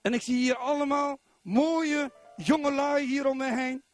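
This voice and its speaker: A middle-aged man from Zwolle preaching a sermon in church, animated and constantly putting questions to the congregation. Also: very high-pitched, measured pace, no echo, faint music behind. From Netherlands, Zwolle.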